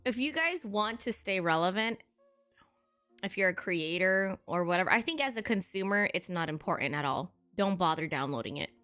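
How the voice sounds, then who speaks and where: A woman's voice: mid-range voice, expressive, moderate pace, pushed and bright, soft background music. A woman of Filipino heritage chatting casually on a live stream, blunt and profane with frequent laughter.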